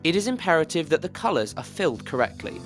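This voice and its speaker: Over-articulating male narrator with lively intonation. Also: a little high, fast. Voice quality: over-articulated, slightly pushed delivery. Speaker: voice actor on a demo reel. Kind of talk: scripted commercial and instructional narration. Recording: roomy, reverberant home recording, music bed. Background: music bed in places.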